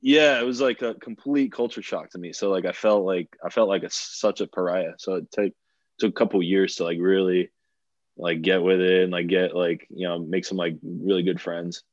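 A young man from Bulgaria talks through a podcast interview in a loose, rambling way, stacking fillers and restarting his sentences. His voice sits very low. The sound is dry and a little dull, like a lo-fi recording. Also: fairly even intonation, normal speed, no echo. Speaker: podcast guest, DJ. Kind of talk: casual interview chat.

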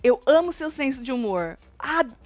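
A woman's voice: high voice, lively intonation, moderate pace, dry recording. A woman hosting a casual gossip show, retelling events with profane, mocking asides.

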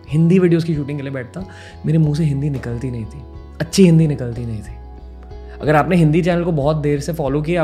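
A young podcaster from Mumbai, India, shares a personal story, weaving English words into his earnest, thoughtful narration. His mid-range voice has a mellow tone.

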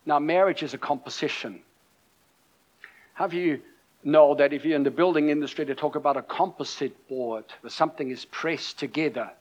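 A man's voice: fairly high pitch, dull audio. Austrian-accented man preaching a sermon. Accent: Austrian German. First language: German. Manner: conversational, rambling with fillers and restarts. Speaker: pastor.

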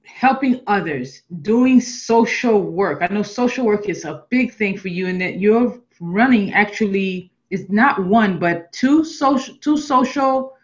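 A woman's voice: mid-range voice, animated, unhurried, hardly any pauses, dull audio. A woman hosting an interview over a video call, encouraging her guest and rephrasing with small stumbles. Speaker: interview host.

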